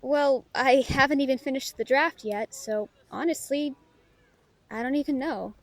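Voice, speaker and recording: A woman's voice: sits high, measured pace, no echo. A woman playing a casual, friendly female novelist in an audio drama, with an informal, slightly hesitant way of talking. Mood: hesitant, uneasy. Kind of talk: naturalistic audio roleplay acting.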